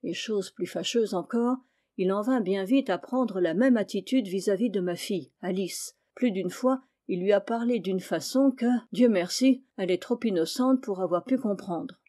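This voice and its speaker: A woman's voice: mid-range voice, moderate pace, mellow, close to an everyday voice. A woman reading as an anxious landlady. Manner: agitated and pleading. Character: anxious middle-aged widowed landlady, respectable.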